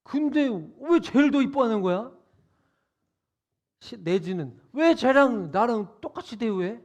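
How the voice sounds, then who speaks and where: A man voicing a resentful older brother, complaining loudly that he is treated unfairly. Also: extremely high pitch, very animated, normal speed, dull audio, voice pushed up. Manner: loud, aggrieved complaining.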